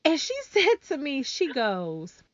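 A woman hosting a podcast tells a casual, animated story in a slightly high voice. She speaks directly to her listeners. The recording is dry and close, with a dull lo-fi tone. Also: unhurried, no echo. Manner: animated, addresses listeners as y'all. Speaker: podcast host. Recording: dull lo-fi sound.

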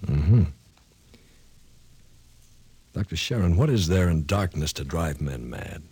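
An actor playing a sceptical, easily rattled reporter in a 1950s radio drama, questioning, stammering and repeating himself on a vintage recording. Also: male voice, rumbling low, lively intonation, normal speed, dark tone, slightly rough, exaggerated voice. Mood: sceptical, agitated.

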